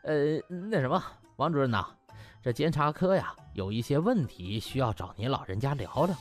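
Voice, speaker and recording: A man voicing a smug young schemer in an audiobook, gloating with oily, mock-polite courtesy and drawn-out interjections. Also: medium pitch, animated, soft background music, natural voice. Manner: oily fawning mockery, drawn-out interjections, chuckling. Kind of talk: audiobook character acting.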